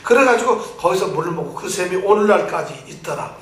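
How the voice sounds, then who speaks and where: A male pastor preaching an animated sermon, quizzing his congregation and repeating key phrases for them to answer. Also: sits high, fairly quick. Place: church sanctuary. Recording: echoey church hall from a distant mic.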